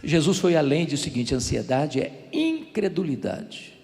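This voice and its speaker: A man's voice: on the high side, huge pitch swings, moderate pace, a little mellow. An older man with a Brazilian Portuguese accent preaching a sermon as a pastor, telling stories with dramatic swings. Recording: echoey hall reverb.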